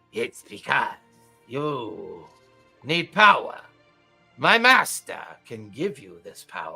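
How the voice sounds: Over faint music in the background, a man does a gravelly, put-on character voice at a fairly slow pace, with long, frequent pauses.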